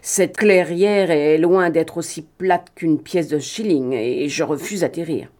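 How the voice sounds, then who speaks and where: A woman voicing a calm, steady male pilot hero in a read-aloud adventure story, with a measured manner. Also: low voice. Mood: calm, firm.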